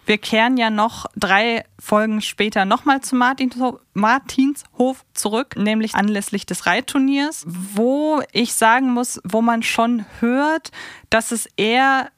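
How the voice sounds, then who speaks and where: A woman's voice: on the high side, a little slow, fairly bright tone, no room sound, clean studio sound. A woman with a German accent co-hosting a podcast, explaining things analytically in casual discussion. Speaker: podcast co-host.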